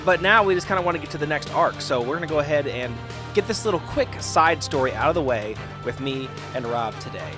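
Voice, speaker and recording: A man chatting casually as a podcast host and tabletop player, friendly and upbeat. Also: on the high side.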